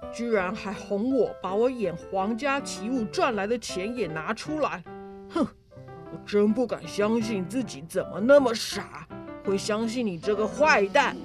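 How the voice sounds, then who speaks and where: A woman voicing a hot-tempered male con man who accuses loudly and indignantly. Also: sits high. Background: background music.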